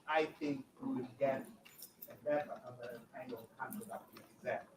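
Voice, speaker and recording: A Tanzanian man with a Tanzanian accent, whose first language is Kinyaturu, giving a measured public talk with many restarts and fillers. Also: mid-range voice, fairly even intonation. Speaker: guest speaker. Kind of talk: public talk with audience questions. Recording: echoey room, distant mic, faint noise.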